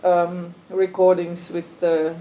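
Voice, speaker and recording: A woman's voice: lowish voice, completely flat delivery, slow, warm tone, slight background noise, rough recording. A woman speaking as a panelist at a symposium, in a loose way with restarts and trailing fillers. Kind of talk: panel discussion talk. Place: symposium hall.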